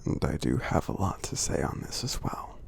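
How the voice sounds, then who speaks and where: A man voices a kind, friendly giant in an ASMR roleplay, lightly acted, speaking softly in a husky, half-whispered tone. His low voice is breathy and gravelly, and he talks slowly and reassuringly, pausing often, for a soothing, supportive mood.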